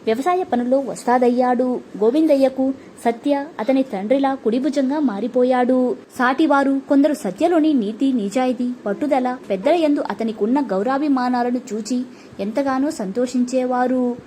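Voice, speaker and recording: A woman narrating an audiobook story in a calm, measured way. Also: high voice, slight background noise.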